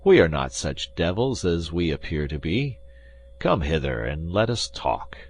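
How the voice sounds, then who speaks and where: A man's voice: deep voice, sing-song, unhurried, exaggerated voice. A man voicing a proud, hard-drinking musketeer who talks in a commanding, dry and ironic way. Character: world-weary drinking male musketeer, proud and sardonic. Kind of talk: audiobook character reading.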